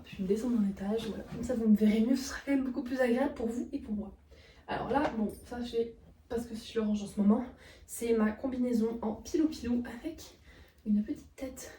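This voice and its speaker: A woman's voice: on the high side, mellow. Chatty French woman in an echoey room. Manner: chatty, many fillers, enthusiastic. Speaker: vlogger. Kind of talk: casual room tour. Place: small student bedroom. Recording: roomy, from a distance, faint noise.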